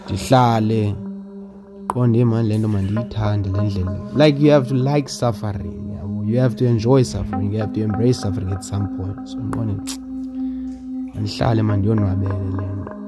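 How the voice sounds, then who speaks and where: A man's voice: lowish voice, fairly even intonation, fairly quick. Music plays under a young man with a South African Xhosa accent. He talks in a casual vlog style, mixing languages. He keeps psyching himself up, urging himself on with short repeated exclamations. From Eastern Cape, South Africa. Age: young adult. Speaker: vlogger. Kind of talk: casual vlog narration with code-switching. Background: background music.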